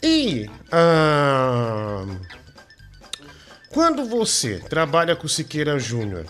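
Teasing Brazilian radio host over music. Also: male voice, on the high side, wildly swooping pitch, drawn-out words, a bit bright. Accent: Brazilian Portuguese. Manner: mocking, teasing, repeats himself. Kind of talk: casual comic radio banter. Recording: music playing behind the voice.

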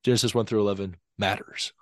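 Deep-voiced man explaining, dry sound. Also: fairly even intonation, no room sound. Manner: measured, explanatory. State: coughing. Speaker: Bible teacher guest. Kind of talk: podcast conversation.

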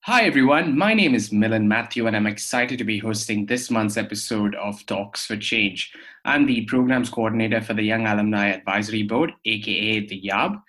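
A man's voice: on the low side, moderate pace, a bit bright, soft background music, rough recording. A young man from Australia hosting a podcast interview, friendly and a bit hesitant, with fillers and restarts. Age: young adult. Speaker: podcast host. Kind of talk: conversational interview.

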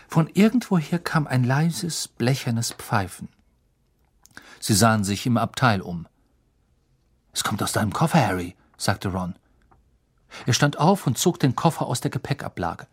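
A man narrating a story as an audiobook, with expressive storytelling. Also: medium pitch. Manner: expressive storytelling, varied intonation.

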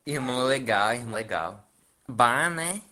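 A man's voice: medium pitch, lively intonation, a little slow, pushed and bright. A young man hosting a casual podcast over an online call, joking and laughing often. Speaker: podcast host and editor.

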